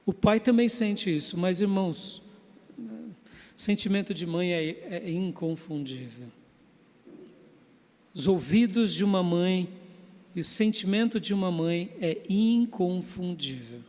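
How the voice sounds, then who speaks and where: A man preaching a sermon, telling a story and moving between loud emphasis and hushed asides. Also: sits high, animated, a little slow. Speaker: pastor. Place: church sanctuary. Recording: long church-hall reverb.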